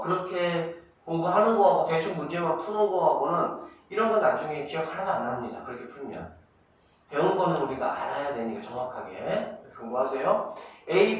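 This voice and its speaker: A middle-aged man giving a math lesson to middle school students, quizzing them and answering his own questions, drawing out key terms slowly. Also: a little high. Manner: asks students questions and answers them himself, counts steps aloud. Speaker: math academy director teaching middle school. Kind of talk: classroom math lecture. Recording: echoey room, distant mic, faint noise.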